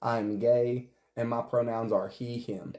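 A man's voice: mid-range voice, level tone, measured pace, darkish tone. A man in his twenties co-hosting a podcast and talking casually about his own life. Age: 20s. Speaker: podcast co-host. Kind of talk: casual personal chat.

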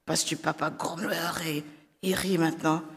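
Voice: mid-range voice, level tone, normal speed, fairly bright tone. A storyteller telling a Christian children's story, hesitant and full of fillers. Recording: long hall reverb.

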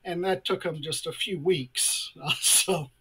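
A man being interviewed as a scholar, answering in a measured, thoughtful way with frequent hesitations. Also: fairly high pitch, fairly even intonation, background noise. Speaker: guest scholar.

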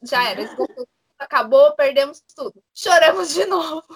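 A young woman, chatting as a guest and telling a story in an animated, chatty way full of fillers. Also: high voice, brisk. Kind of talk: casual storytelling chat.

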